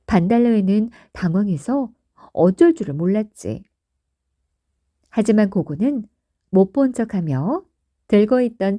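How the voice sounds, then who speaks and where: A woman narrating a bedtime story in a soft, soothing, lilting way. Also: medium pitch, dry recording, clean studio sound.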